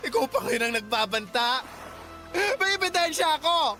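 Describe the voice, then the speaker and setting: A man's voice: big pitch swings, moderate pace, heavily acted. A man with a Filipino accent playing an enraged, betrayed gay adoptive mother in a melodramatic radio drama, wailing accusations. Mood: outraged, accusing. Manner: melodramatic, shrill, wailing outbursts. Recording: loud music under the voice. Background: loud dramatic music.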